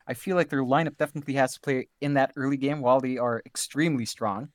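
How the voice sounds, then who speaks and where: A man from Southeast Asia with a Southeast Asian English accent, giving relaxed, analytical esports color commentary. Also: medium pitch, quick pace, no room sound, studio quality. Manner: relaxed, easily amused, thinking aloud. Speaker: esports co-caster.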